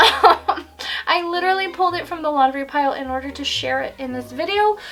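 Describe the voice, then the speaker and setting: A woman's high voice at a fairly quick pace, with big swings in loudness and noticeable background noise. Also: ordinary pitch variation. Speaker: fashion YouTuber. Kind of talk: casual try-on chat. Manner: fast.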